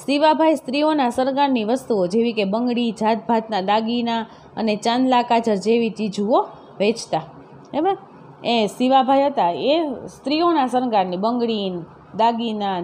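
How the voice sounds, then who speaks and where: A woman with a Gujarati accent teaching a story lesson, reading each line and then retelling it plainly for her pupils. Her voice sits a little high, and a faint hum of noise runs under the recording. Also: normal speed, dark tone. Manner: reads a line, then retells it in plain words with tag questions. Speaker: school teacher. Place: classroom-style video lecture.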